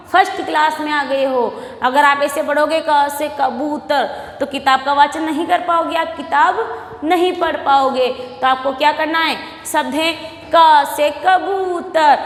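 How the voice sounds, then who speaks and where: High-voiced Indian teacher woman, echoey room. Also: a bit bright. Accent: Rajasthani Hindi. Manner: slow drawn-out recitation, asks the children questions and calls them dear. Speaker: primary school teacher. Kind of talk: recorded classroom lesson for young children. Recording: echoey room with long reverb.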